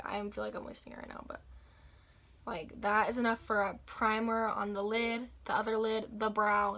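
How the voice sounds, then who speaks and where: Raspy young woman vlogger, chatty. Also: medium pitch, noisy background. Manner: chatty, upbeat, filler-heavy. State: hoarse after the flu. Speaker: beauty vlogger. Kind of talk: casual makeup tutorial.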